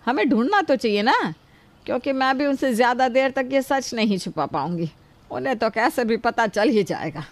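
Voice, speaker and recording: A woman's voice: on the high side, expressive, normal speed. A middle-aged woman playing a kind, protective mother-in-law who scolds yet shields her daughter-in-law.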